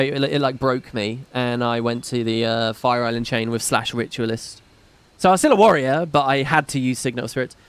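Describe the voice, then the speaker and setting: A man's voice: a little high, a bit bright, clear, resonant tone, no echo. A man hosting a gaming livestream, rambling casually and swearing while he reads out viewer comments. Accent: slight British. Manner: rambling, profane, self-deprecating. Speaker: gaming streamer host. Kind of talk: casual livestream chat reading donations.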